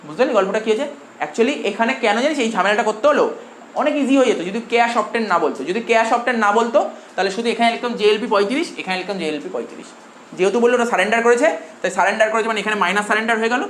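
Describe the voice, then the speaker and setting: A commerce lecturer from India with a Bengali accent teaches at breakneck speed in an extremely high-pitched voice with a fairly bright tone. He repeats his points and fires questions at the students, his voice ringing around an echoey room over a faint hiss.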